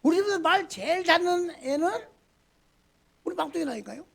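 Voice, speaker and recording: Here a middle-aged pastor gives a colloquial sermon full of loud bursts, quiet mutterings, and rhetorical questions aimed at the congregation. He's animated and fairly quick, his voice creaky, with slight noise in the background.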